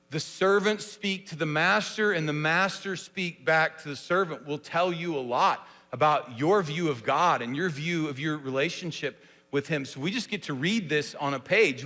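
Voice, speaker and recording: A man's voice: a little high, bright, forceful tone, long reverb tail. A man preaching a sermon in a church, speaking conversationally with many rhetorical questions. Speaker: pastor. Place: church sanctuary.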